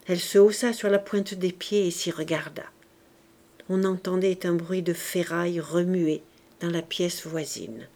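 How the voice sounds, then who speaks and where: A woman narrating a classic novel as an audiobook reader, in a measured, expressive way. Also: fairly low pitch. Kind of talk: scripted narration.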